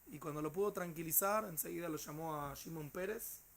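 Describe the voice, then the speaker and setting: With a fairly high, creaky voice and a brisk delivery, this Rioplatense-accented teacher spins an animated story for his class, hesitating with fillers along the way.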